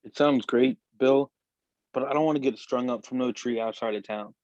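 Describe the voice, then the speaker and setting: A man's voice: mid-range voice, normal speed, a little mellow, no room sound, lightly acted. A man playing a fearful, reluctant coal miner with a hesitant manner, in a drama table read. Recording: dull, muffled sound.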